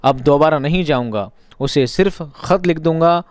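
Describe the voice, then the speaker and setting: A man's voice: fairly high pitch, moderate pace, no room sound, close to an everyday voice. A male teacher reading the lines of a timid, over-apologetic office clerk in a classroom story reading.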